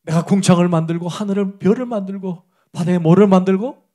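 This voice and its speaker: High-voiced Korean pastor preaching emphatically. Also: male voice, fast, warm tone. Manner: emphatic, questions the congregation directly. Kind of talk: sermon.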